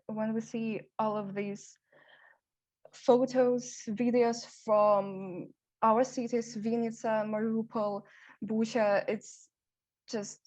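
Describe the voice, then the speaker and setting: Very slow, halting young woman. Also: a little high, a little mellow, rough recording. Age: young adult. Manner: halting, grave, searching for words. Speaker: discussion participant. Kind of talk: personal testimony. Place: online video call.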